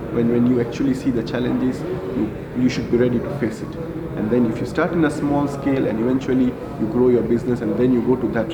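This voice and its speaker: A man from India, in his forties, answering interview questions as a hotel group general manager, halting with many fillers and restarts. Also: mid-range voice. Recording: echoey room with loud ambience.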